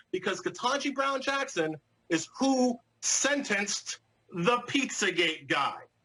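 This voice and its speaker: This man's voice sits extremely high for a man, raised and projected, with a bright, sharp tone and very wide pitch swings. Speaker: legal commentator. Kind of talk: news interview. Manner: fast.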